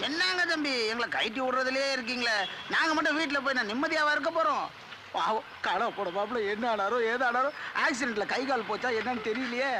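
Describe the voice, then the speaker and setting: An actor playing a fussy, excitable middle-aged uncle in a comic film scene. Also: male voice, very high voice, quick pace, heavy background noise. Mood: anxious. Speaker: hero's uncle and father-in-law.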